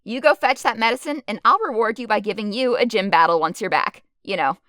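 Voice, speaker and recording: A woman playing an irritable, gullible gym leader with a brash, sarcastic manner in an animated parody. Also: fairly high pitch, brisk, no echo, studio quality, lightly acted. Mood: grudging, smug.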